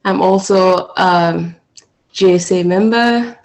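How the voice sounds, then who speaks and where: Kenyan student woman, talks slow, lots of ums, lowish voice. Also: darkish tone. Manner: careful, hesitant, many fillers. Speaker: international student.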